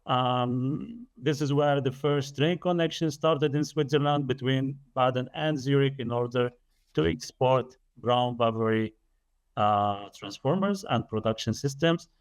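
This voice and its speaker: A man's voice: mid-range voice, a little slow, smooth. A man in his late thirties whose first language is Arabic, a podcast guest explaining things earnestly and carefully in conversation. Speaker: podcast guest, energy business developer.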